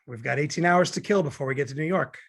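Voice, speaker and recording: A man's voice: a little high, fast, gravelly, a bit bright. A man playing a glib, cynical young law graduate who argues and needles in a script table read. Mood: dry, probing. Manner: sardonic, argumentative, needling.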